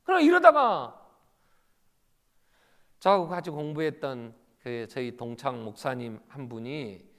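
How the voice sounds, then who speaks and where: A middle-aged man preaching a Sunday sermon as pastor, animated, swinging between loud and hushed, often acting out quoted dialogue in different voices. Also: medium pitch, unhurried, long pauses. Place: church sanctuary. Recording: long church reverb.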